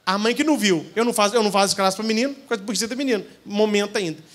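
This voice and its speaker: A man with a Brazilian Portuguese accent, a Catholic priest giving a humorous talk at a couples' retreat, telling stories in an animated way and acting out what people said. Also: high-pitched, racing. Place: church event hall.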